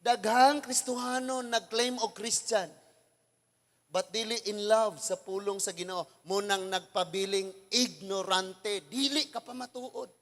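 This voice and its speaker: A Filipino man preaching a sermon as pastor, animated and emphatic, mixing English scripture lines into his talk with sudden shouts. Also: sits high, unhurried, big-room sound. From Philippines.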